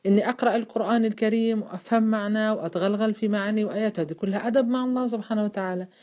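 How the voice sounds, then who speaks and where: A woman's voice: mid-range voice, steady tone, mellow. A woman with a Levantine Arabic accent giving a casual religious lesson to women. She often checks whether her listeners follow her. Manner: fast, conversational, often asks listeners if they follow. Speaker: religious teacher. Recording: dull lo-fi recording.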